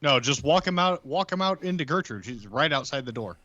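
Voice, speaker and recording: A man's voice: mid-range voice, animated, fairly quick, sharp tone, dry recording, highs cut off. A man talking casually as a player in a tabletop game, improvising what he does.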